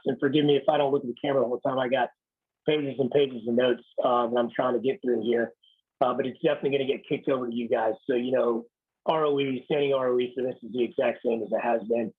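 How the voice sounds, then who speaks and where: A raspy-voiced man in his thirties, a military officer giving a blunt, casual leadership talk over a video call. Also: mid-range voice, narrow, tinny audio. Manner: blunt, casual, swears lightly. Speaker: Marine Corps officer speaking to a unit.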